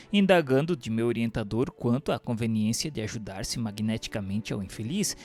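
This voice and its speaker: A man's voice: medium pitch, darkish tone, close to an everyday voice. A man narrating a radio drama from a script in a formal, solemn, literary manner. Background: music.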